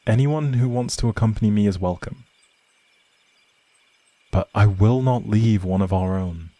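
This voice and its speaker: A man playing an outlawed prince, a gentle, protective leader, in earnest dramatic roleplay audio with old-fashioned, measured phrasing and a husky, breathy voice. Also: fairly low pitch, no room sound, lightly acted. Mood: firm, alarmed.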